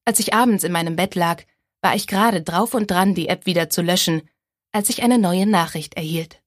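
A young woman narrating a first-person audiobook in a calm, clear storytelling manner. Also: lowish voice, moderate pace, dry recording, studio quality.

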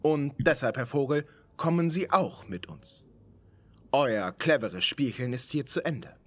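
A man's voice: mid-range voice, measured pace, natural voice. An actor playing a firm, know-it-all male police inspector in a radio play, authoritative and precise. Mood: matter-of-fact.

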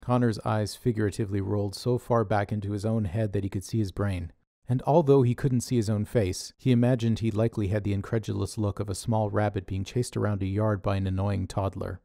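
A man's voice: on the low side, fairly even intonation, fairly quick, vocal fry, few pauses, mellow, dry recording. A man narrating a scripted audio drama with dry, wry humor. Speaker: narrator and writer.

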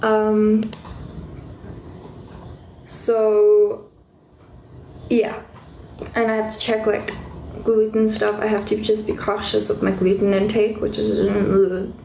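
Talking slowly in a completely flat, gravelly, mellow mid-range voice, a young woman from South Africa livestreams from her bedroom with her phone held close, pausing often. Stuffy-nosed and losing her voice, she's still chatty, gets distracted easily, and squeals at cute things. The rough recording is reverberant with slight background noise.

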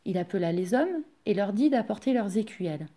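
A woman from a library reading a fairy tale aloud, expressive and speaking to young listeners. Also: medium pitch, fairly quick. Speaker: library storyteller.

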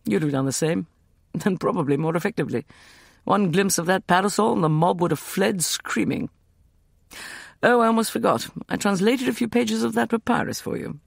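A man voicing a learned young man who speaks in a measured, precise way in an audiobook. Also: high voice, gravelly, no echo, studio quality, pitched above the performer's own voice. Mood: earnest.

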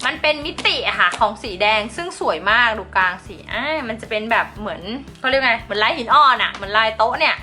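A woman's voice: on the high side, animated, fast, hardly any pauses, bright, forceful tone, soft background music. A woman hosting a casual chat vlog in a chatty, giggly, playful way. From Thailand. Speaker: slime channel host.

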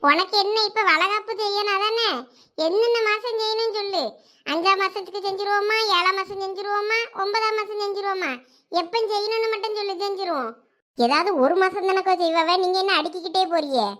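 A woman's voice: very high-pitched, a little fast, a bit bright. A woman playing a bossy but caring village elder sister, teasing and scolding in a Thoothukudi Tamil accent. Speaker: actor in a village comedy skit. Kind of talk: village comedy skit acting.

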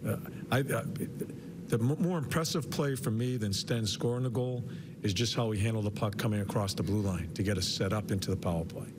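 An older man in his sixties, head coach at a postgame press conference, talks in a fairly low voice, stumbling and repeating words between fillers. He is picked up by a podium mic in an arena press room. A steady hiss of background noise runs under the broadcast feed. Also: fairly quick. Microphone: podium mic, medium camera shot.

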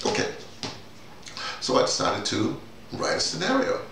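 A middle-aged man talking casually and off the cuff, halting, repeating words and drifting into digressions. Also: medium pitch, huge pitch swings, vocal fry. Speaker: playwright and audio drama director presenting his writing. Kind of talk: casual off-the-cuff vlog talk. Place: small bare-walled office, indoors. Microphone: camera mic a few feet away. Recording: distant mic, echoey room, noisy background.

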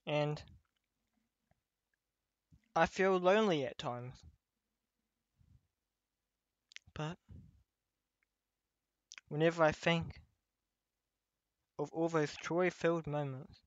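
A gentle childhood teddy bear, acted by a man, talks very slowly and tenderly in an ASMR roleplay. The delivery is wistful and loving, with frequent pauses. The recording is dry and a little dull. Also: fairly high pitch, no room sound. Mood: wistful, fond. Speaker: voice actor. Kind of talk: ASMR roleplay addressed to listener.

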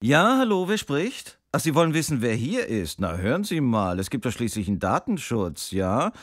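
A man's voice: mid-range voice, sing-song, normal speed. A man playing a fussy, evasive, officious German official in a comic answering machine sketch, talking hesitantly and repeating himself. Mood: indignant.

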